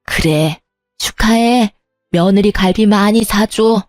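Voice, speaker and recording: A woman reading as a sharp-tongued middle-aged mother-in-law, nagging and sarcastic. Her voice is dark and mellow, set in a dry, close recording with faint music underneath. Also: mid-range voice, slow, no echo, natural voice. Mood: scornful. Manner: scolding, sighing, sarcastic.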